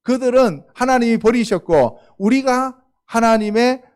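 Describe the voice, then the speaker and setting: A man's voice: very high-pitched, measured pace, clean tone. A middle-aged male pastor preaching a sermon, often asking the congregation questions and then answering them himself. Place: church.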